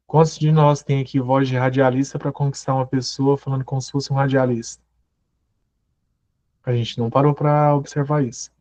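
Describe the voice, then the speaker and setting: A man's voice: medium pitch, darkish tone, no echo. A man giving a motivational growth talk, asking the audience question after question. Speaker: personal growth speaker. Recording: dull, muffled audio.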